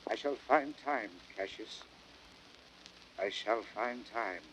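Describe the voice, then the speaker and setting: An actor playing a noble, grieving Roman commander, solemn and declamatory, in an old radio Shakespeare drama with hiss. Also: male voice, lowish voice, slow, a bit bright, poor audio. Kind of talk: 1930s radio Shakespeare acting. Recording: hissy old radio broadcast recording.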